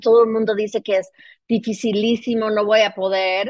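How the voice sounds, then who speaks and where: Fairly slow speech from a woman with an English accent and a fairly high pitch. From US Midwest (Detroit, Michigan). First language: English (speaking Spanish). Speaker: business executive. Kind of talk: interview. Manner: talkative.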